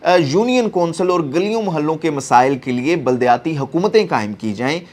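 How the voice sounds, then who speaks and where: A man's voice: fairly high pitch, lively intonation, moderate pace, a little mellow. A man with a Pakistani accent giving earnest, explanatory political commentary, mixing in some English terms.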